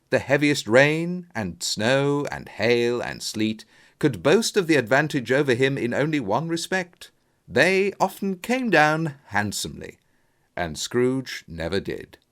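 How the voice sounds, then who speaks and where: Male narrator, mid-pitched, hugely varied intonation, theatrical literary reading, emphatic phrasing, deliberate pauses. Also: big pitch swings. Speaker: narrator and performer of a classic story. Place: studio.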